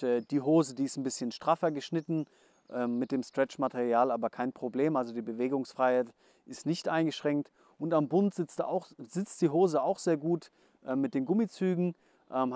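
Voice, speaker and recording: A young man giving a casual outdoor gear review, chatty and hurried, with many hesitation fillers. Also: mid-range voice, dark tone, no room sound. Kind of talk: casual product review, voice-over then to camera. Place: outdoors at dusk.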